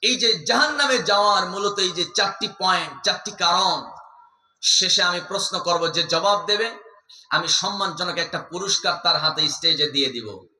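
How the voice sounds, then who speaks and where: Fervent young preacher, echoey loudspeakers. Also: male voice, high voice, normal speed. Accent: Bangladeshi Bengali. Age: young adult. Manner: fervent storytelling waz delivery, swinging between loud cries and hushed tones. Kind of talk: sermon.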